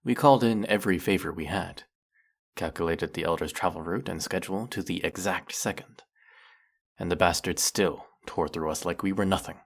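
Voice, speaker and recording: Man voicing a deep, gravelly, brooding ancient vampire hunter. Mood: grim, regretful. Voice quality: gravelly, low. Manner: slow, measured, dramatic pauses. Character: centuries-old male vampire hunting his own kind, brooding. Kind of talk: scripted roleplay audio drama monologue.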